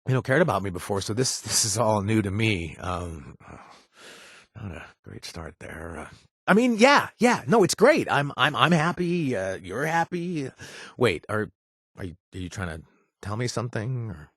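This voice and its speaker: An actor voicing a gentle, awkward ex-raider companion in a video game, talking haltingly with many fillers and restarts. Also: male voice, lowish voice, very animated, breathy edge, dry recording, studio quality, full character voice. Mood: flustered. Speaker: companion character.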